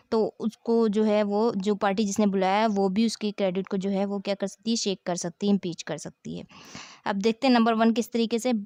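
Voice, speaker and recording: A woman's voice: medium pitch, smooth, no echo, studio quality. A woman with a South Asian accent giving an explanatory lecture as a law teacher, didactic, posing questions and answering them, repeating key phrases.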